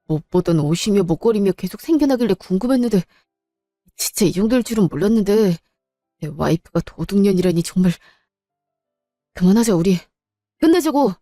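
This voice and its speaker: A woman's voice: medium pitch, expressive, a little fast, pauses often, mellow, dry recording, soft background music, natural voice. A woman voicing an angry young husband in an audio drama, blunt and accusing. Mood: outraged.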